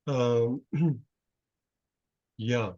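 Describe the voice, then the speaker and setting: A man with a Romanian accent speaks English as a second language, slowly and hesitantly, often repeating a word before going on. The sound is dry and dull, as over a call. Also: mid-range voice, steady tone, dark tone, no echo. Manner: slow, hesitant, repeats words as he finds them. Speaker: guest, prospective partner. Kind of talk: video call conversation.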